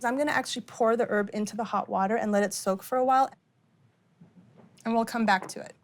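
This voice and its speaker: Higher-voiced middle-aged American woman cooking. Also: fast. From born in Iran, raised in Arizona, US. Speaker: guest cook. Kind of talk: cooking demonstration with personal storytelling. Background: music and frying sizzle.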